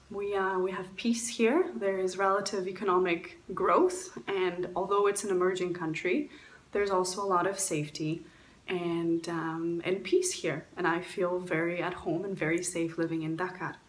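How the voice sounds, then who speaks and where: A woman with a lowish voice, born in Poland and raised in Canada, gives earnest travel advice as a guest traveler in a recorded talk answering questions. She uses frequent fillers and restarts, and the recording is rough and reverberant.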